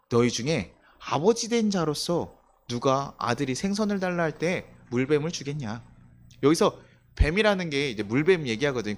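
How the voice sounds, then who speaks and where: A male pastor giving a conversational sermon, asking the congregation questions and acting out quoted voices. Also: mid-range voice. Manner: conversational preaching with rhetorical questions; acts out quoted voices of children and God.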